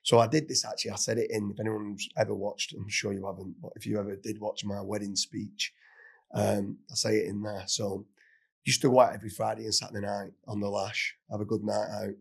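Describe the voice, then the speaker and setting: A man hosting a podcast, telling a funny story in a casual, animated way with plenty of swearing and laughter. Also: lowish voice, a little fast, vocal fry, husky. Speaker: podcast host.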